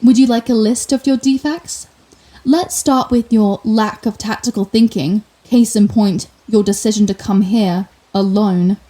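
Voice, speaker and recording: A woman's voice: medium pitch, fairly even intonation, measured pace, mellow, natural voice. A woman playing a sardonic telepathic supervillain in an ASMR roleplay, theatrical and sarcastic, menacing with a hidden compassionate streak. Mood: taunting, menacing. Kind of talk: ASMR roleplay audio drama.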